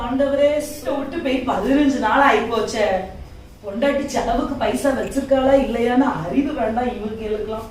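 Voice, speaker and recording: A woman playing a sharp-tongued, devout wife who scolds her husband and grumbles to herself, in an amateur family skit. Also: on the high side, a little hiss or hum, close to an everyday voice. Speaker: quarrelsome wife in a church skit. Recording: echoey room, far from mic.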